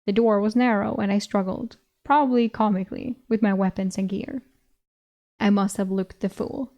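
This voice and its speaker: A woman's voice: medium pitch, fairly even intonation, moderate pace, highs cut off. Giggly woman reading a novel aloud. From Sweden. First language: Swedish. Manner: giggly, breaks off to laugh and comment. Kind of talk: novel reading with chatty commentary.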